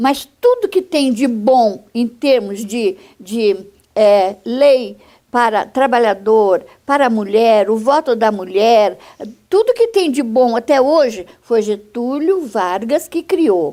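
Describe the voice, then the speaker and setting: At a very slow pace, a woman with a dark, mellow tone and fairly high pitch speaks with lively intonation. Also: very even loudness. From Paraná, Brazil. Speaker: political activist interviewee. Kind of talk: oral history interview.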